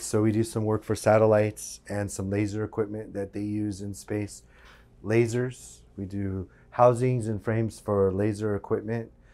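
Using an ordinary speaking voice, a man talks at a moderate pace in a fairly low pitch. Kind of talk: tour guide explanation. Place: office. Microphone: lapel.

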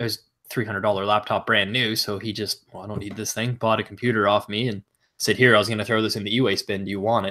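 Bright and sharp in tone, a man's fairly low voice runs at a very fast pace with monotone, flat intonation. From Ontario, Canada. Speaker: reseller and YouTuber. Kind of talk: casual chat. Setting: video call. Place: home room. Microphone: earbuds.

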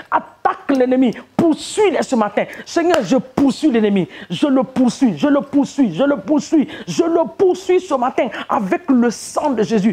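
The pace is very slow, yet there are hardly any pauses. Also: woman, high pitch for a woman. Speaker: prayer leader. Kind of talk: fervent spoken prayer. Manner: insistent, exhorting, commanding tone. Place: home room. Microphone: lapel.

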